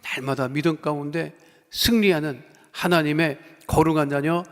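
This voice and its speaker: A male pastor preaching and praying fervently, with emphatic declarations that swell loud and fall soft. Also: fairly high pitch, steady tone, moderate pace. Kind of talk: sermon and fervent prayer. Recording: long church reverb.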